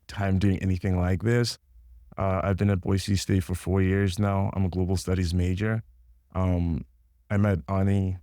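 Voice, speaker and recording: A man's voice: deep voice, clean tone, no echo, studio quality. A young man from Congo, a student organizer, talking casually and a little hesitantly in an interview. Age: young adult. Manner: relaxed, hesitant with many ums.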